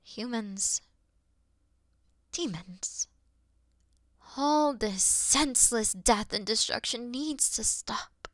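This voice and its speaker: A woman playing a weary, noble and gentle demon queen in a fantasy audio roleplay, speaking earnestly in a breathy, hushed way. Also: fairly high pitch, lively intonation, no room sound, clean studio sound. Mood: solemn, resigned. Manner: solemn, slow, earnest, breathy hushed delivery.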